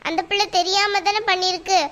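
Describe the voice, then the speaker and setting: A woman's voice: very high voice, steady tone, fairly quick, a bit bright. A woman voicing a weary, patient school teacher in a cartoon, speaking in a soothing but firm way. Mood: calm firm. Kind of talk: cartoon voice acting.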